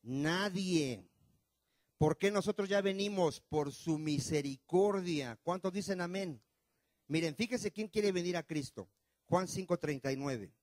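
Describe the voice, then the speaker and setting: Questioning pastor with a high voice. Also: male voice, no room sound. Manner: asks the congregation rapid questions, swings loud and soft. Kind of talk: sermon. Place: church.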